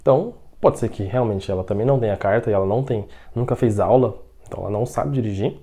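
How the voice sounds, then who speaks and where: A man's voice: fairly low pitch, warm tone. Patient Brazilian male language teacher. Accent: Brazilian Portuguese. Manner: explains patiently, checks in with "tá bom?" and slows right down for model sentences. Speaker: Mandarin teacher. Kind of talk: language lesson.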